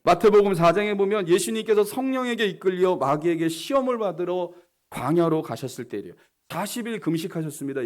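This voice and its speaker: A male pastor preaching a sermon, repeating key phrases and calling out to the congregation again and again. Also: sits high. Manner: repetitive, keeps addressing the congregation.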